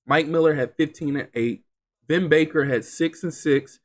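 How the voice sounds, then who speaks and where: A man's voice: on the high side, normal speed. A congested man getting over an illness, casually commenting on a basketball video game simulation and rattling off player stats. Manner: reels off stats, chatty and excitable. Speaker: gaming channel host.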